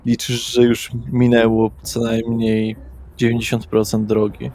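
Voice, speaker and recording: A man's voice: mid-range voice, completely flat delivery, a little slow, a little mellow. A man narrating a tabletop audio roleplay as game master.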